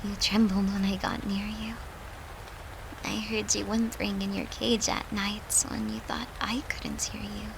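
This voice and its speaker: A woman's voice: medium pitch, flat delivery, unhurried, noisy background. A woman playing a tender human girlfriend, an occult summoner confiding in her demon lover in an intimate, earnest audio roleplay. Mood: remorseful, hushed. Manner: soft, earnest, confiding, with sighs and breathy laughs.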